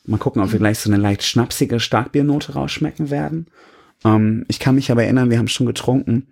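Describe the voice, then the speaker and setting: A man's voice: mid-range voice, fairly quick, gravelly, a little mellow. A man co-hosting a podcast, describing and tasting beer in a rambling, self-mocking way with lots of fillers. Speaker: podcast co-host. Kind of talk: casual beer-tasting chat.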